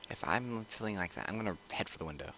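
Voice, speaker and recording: A man reading a visual novel aloud with casual asides, often stumbling, repeating phrases and clearing his throat. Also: on the low side, animated, quick pace, slight background noise. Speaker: let's player reading a game aloud. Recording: loud music over the voice. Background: loud game music.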